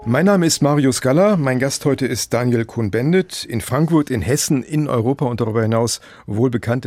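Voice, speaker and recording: A man's voice: mid-range voice, darkish tone, no echo. Articulate male radio interviewer. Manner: articulate, probing questions.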